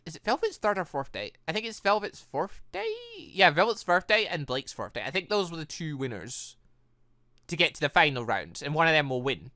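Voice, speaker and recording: A gaming video host giving casual, excitable commentary, rambling and thinking aloud with frequent self-corrections. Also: mid-range voice, brisk, dry recording, studio quality.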